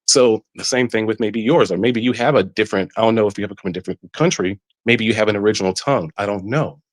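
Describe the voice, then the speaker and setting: A man speaking African American Vernacular English, calling in to a podcast and earnestly explaining himself, often repeating words and rising in pitch when he insists. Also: fast talker, dry recording, poor audio. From United States. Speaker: caller. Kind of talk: heated podcast call-in discussion.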